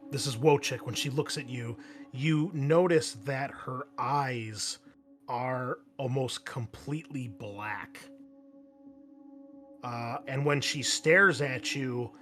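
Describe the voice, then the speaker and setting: A man running a tabletop horror game, narrating scenes in a halting, descriptive way as game master. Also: mid-range voice, fairly bright tone.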